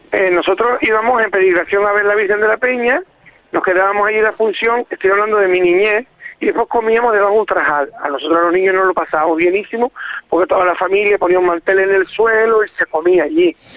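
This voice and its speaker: This man talks at a very fast pace and a high pitch. His loudness stays very even, and his pitch varies in an ordinary way. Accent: Canarian. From Canary Islands, Fuerteventura. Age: 40s. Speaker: opera tenor. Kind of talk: radio interview. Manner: halting, many repetitions.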